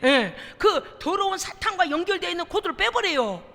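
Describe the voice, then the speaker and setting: Woman pastor, emphatic sermon, very high voice, bright and sharp, long church-hall reverb. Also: sing-song, brisk, creaky. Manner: emphatic, asks congregation for responses. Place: church sanctuary.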